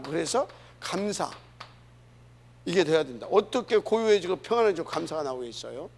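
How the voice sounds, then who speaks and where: Gravelly, emphatic male pastor preaching. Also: high voice. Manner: earnest, emphatic preaching with rhetorical questions to the congregation. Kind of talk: sermon. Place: church.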